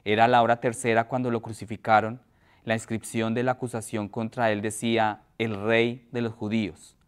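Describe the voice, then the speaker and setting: A man preaching in a church, reading a scripture passage aloud and then explaining it with frequent pauses and restarts. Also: on the low side, little pitch movement, smooth. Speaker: pastor.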